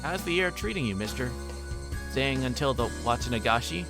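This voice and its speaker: A man's voice: medium pitch, lively intonation, a little fast, lightly acted. A man voicing a teasing, breezy teenage schoolgirl from a visual novel, with music behind him.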